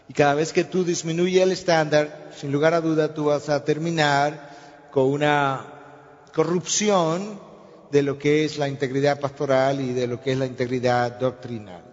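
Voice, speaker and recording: A man preaching a sermon as pastor, telling stories and acting out their dialogue. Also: fairly high pitch. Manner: storytelling preacher, acts out dialogue. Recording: long hall reverb, dull lo-fi sound.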